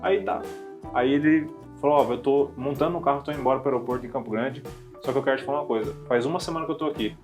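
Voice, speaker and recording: A Brazilian man hosting a podcast, telling a story in a quick, chatty way. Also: mid-range voice, over music. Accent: Brazilian Portuguese. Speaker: podcast host. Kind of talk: casual podcast chat.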